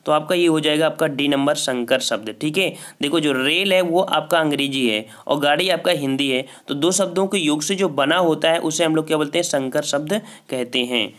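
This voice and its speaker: A man with a somewhat high, fairly bright voice solves a Hindi grammar test paper aloud for exam prep, talking at normal speed with few pauses. He repeats each answer and checks back with "ठीक है".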